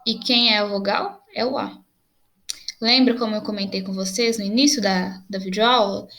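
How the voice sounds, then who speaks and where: A young adult woman teacher with a Brazilian Portuguese accent, patiently explaining grammar in a video lesson and slowly spelling out examples. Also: medium pitch, fairly even intonation, creaky, fairly bright tone.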